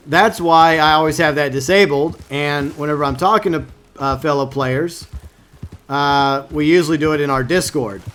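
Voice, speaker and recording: A man talks casually on a live game stream, reading viewers' messages aloud and answering them with plenty of fillers. His voice sits a little high for a man. He grew up in Texas. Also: a bit bright. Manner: chatty, reads viewer comments aloud, frequent fillers.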